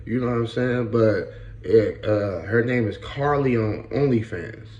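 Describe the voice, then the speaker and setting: A man's voice: fairly low pitch, measured pace, darkish tone, echoey room, lo-fi sound. A man in his late thirties giving blunt, profane casual commentary and often repeating "bro" and "you know what I'm saying.". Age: 30s. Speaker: podcast host.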